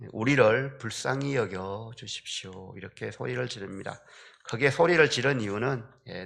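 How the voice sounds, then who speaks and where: A man preaching a sermon as pastor, asking his congregation many rhetorical questions and dropping a soft "yes" between his phrases. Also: medium pitch, vocal fry.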